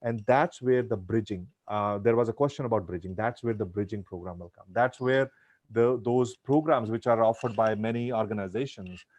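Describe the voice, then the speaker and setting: A man's voice: on the low side, moderate pace, darkish tone, no room sound, lo-fi sound. Man, earnest advice-giver on a video call, dry close sound. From India. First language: Punjabi. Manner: earnest, advising, with frequent restarts. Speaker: guest speaker. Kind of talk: virtual Q&A chat.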